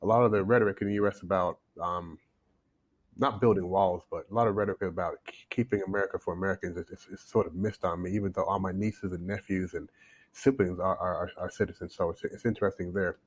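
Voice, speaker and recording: Chatty low-voiced Canadian-raised man. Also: steady tone, fast talker. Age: 40s. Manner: talkative, storytelling with restarts and repeated words. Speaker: guest, coach. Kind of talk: casual interview talk. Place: home in China, remote call.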